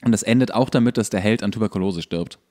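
A man co-hosting a podcast, casually recapping a story in a halting, stop-and-start way. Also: on the low side, darkish tone. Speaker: podcast co-host.

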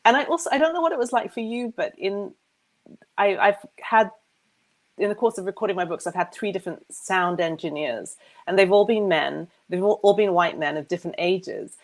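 A middle-aged woman with a low voice, interviewing an author on a video call through wired earbuds from a room with white walls. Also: moderate pace. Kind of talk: casual video-call conversation.

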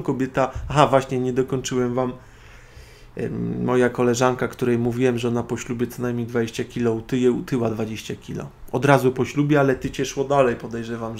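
A man's voice: mid-range voice, creaky, darkish tone. A man hosting an internet radio show, speaking in a sardonic, opinionated monologue to his listeners. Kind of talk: solo spoken monologue.

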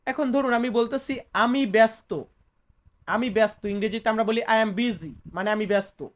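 A woman with a slightly high voice teaches a language lesson online, patiently repeating each phrase slowly for drilling.

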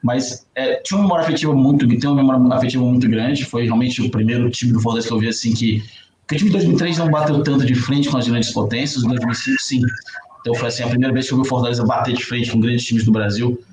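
A man in his thirties talks casually with a hissing sh sound for his s. He is on a video call from a small room at home, with clear echo and faint noise. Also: medium pitch, fast. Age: 30s. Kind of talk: casual chat. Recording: roomy echo, noisy video-call audio.

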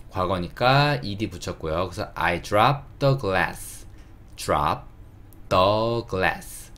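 A man teaching English phrases, patiently repeating each one slowly. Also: lowish voice. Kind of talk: explaining English phrases to Korean learners.

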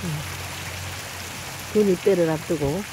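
A woman giving excited, casual live commentary from behind a camera outdoors. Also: lowish voice, drawn-out words. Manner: excited cheering and exclaiming. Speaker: camera operator and narrator. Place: outdoors beside a snowy stream. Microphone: behind the handheld camera. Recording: noisy outdoor phone camera recording.

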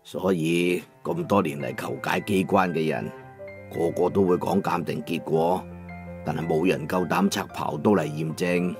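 A man voicing a calm, wise older male craftsman in his fifties who speaks gently, over soft music. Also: low-pitched, pitched below the performer's own voice. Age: 50s. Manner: gentle, unhurried.

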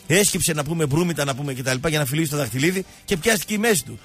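A man's voice: a little high, lively intonation, a bit bright, slightly rough. A male radio show host rambling through mocking, jokey sports banter.

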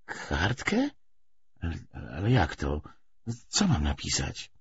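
A man voicing an anxious, flustered character with a halting manner in an audiobook. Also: sits low, wildly swooping pitch, slightly rough, no echo, dull audio, full character voice. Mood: anxious, hesitant. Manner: hesitant, halting. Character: anxious, flustered man reluctantly writing to his brother.

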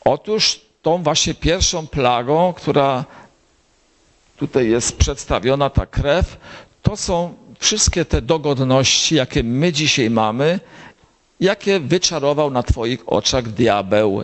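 A priest giving a sermon to a gathering, slowly telling the story and rising to high, emphatic lines. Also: male voice. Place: gathering of bible circles.

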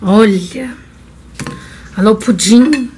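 A woman's voice: mid-range voice, slow pace, dark tone. A woman in her thirties hosting a casual home cooking vlog in her kitchen, chatting to viewers as she films on a handheld phone. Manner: chatty, addresses viewers as "gente". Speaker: cooking channel host. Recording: faint background noise.

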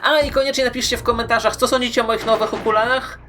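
A woman hosting online fan commentary, playful and emphatic, with dramatic pauses. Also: on the high side, fairly even intonation, a bit bright, a little hiss or hum. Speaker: YouTube host. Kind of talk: scripted fan-theory commentary to viewers.

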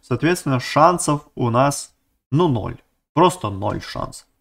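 A man with a mid-pitched voice chats through his gaming video as the channel's host. He thinks aloud, stops to correct his own numbers, and sprinkles in slang and diminutives. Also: big pitch swings, a little slow, gravelly, fairly bright tone. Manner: uses many diminutives and gamer slang. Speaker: gaming YouTuber. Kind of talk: casual gameplay commentary.

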